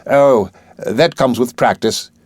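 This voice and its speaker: A man's voice: medium pitch, slow pace, breathy edge, no room sound. A man playing an impetuous, brusque male professor of about forty who talks energetically. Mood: eager.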